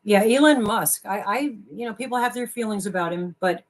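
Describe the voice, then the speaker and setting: A woman's voice: medium pitch, fairly quick. A woman co-hosting a casual livestream, talking in a hyper, chatty way and jumping from topic to topic. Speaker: livestream co-host.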